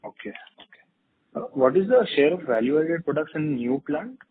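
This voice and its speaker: A man with a slightly high voice asks an executive methodical follow-up questions on an earnings call. He sounds thin, as if through a phone line. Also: animated, moderate pace, slightly rough. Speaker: analyst.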